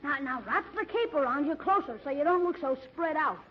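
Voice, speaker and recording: A woman's voice: high voice, animated, a little fast. A woman playing a chirpy cheeky boy. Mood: eager. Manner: chirpy, eager boyish talk. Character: eager, cheeky young boy nephew. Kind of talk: 1940s radio comedy acting. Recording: hissy, muffled old radio broadcast.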